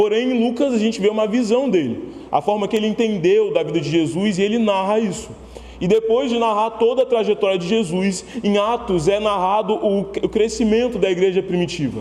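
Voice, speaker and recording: Noticeable background noise and audible room echo surround a man's high-pitched voice. He speaks at a fairly quick pace with ordinary pitch variation. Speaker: church elder and youth leader preaching. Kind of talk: sermon. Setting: church with congregation. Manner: animated; fast.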